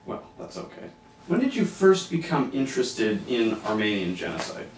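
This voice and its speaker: A man's voice: medium pitch, very animated, moderate pace, a little hiss or hum. Casual male interviewer, roomy and distant. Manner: friendly, loose, stumbling over restarts. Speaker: interview host.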